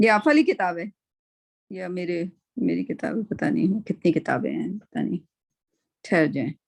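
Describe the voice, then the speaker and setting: Chatty woman teacher with a gravelly voice. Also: lowish voice, expressive, a little mellow. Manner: casual, chatty, mixes English into speech, keeps asking "right?". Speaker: Quran and Arabic teacher. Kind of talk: online class discussion.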